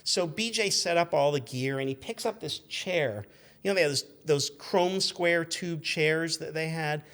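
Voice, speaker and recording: A man in his fifties telling casual anecdotes as a guest, in an animated, rambling way, acting out what people said. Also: a little high, a little slow. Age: 50s. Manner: animated, rambling, acts out remembered quotes.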